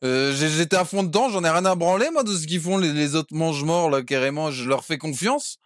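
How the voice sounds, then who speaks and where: A man's voice: a little high, lively intonation, fairly quick, dry recording, studio quality. A man playing a defendant in a roleplay court, cheeky and crude, with "carrément" over and over. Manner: cheeky, vulgar, keeps saying "carrément".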